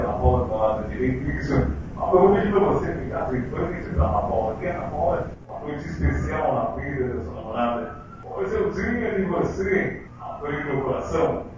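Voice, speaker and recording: Distant echoey man announcing from a street. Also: on the high side. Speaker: announcer of a sound-car message. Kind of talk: promotional announcement over loudspeaker. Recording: echoey, distant, lo-fi street sound with loud noise.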